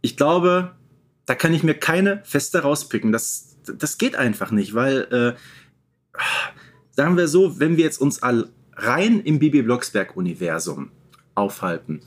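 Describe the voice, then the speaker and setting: A man's voice: mid-range voice, very animated, a little slow. A man co-hosting a podcast in a casual, conversational style. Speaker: podcast co-host.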